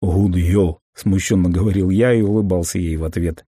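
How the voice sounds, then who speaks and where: A man narrates a memoir in a calm, measured, reflective way. His voice sits on the low side with a dark, mellow tone. The recording is dry and close, with almost no room sound. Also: no echo. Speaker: audiobook narrator.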